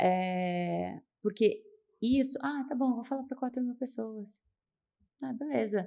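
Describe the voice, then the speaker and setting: Pausing long and often, a woman speaks at a very slow pace in a high pitch with a dark, mellow tone and ordinary pitch variation. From southern Brazil, Rio Grande do Sul. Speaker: marketing executive. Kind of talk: podcast interview conversation.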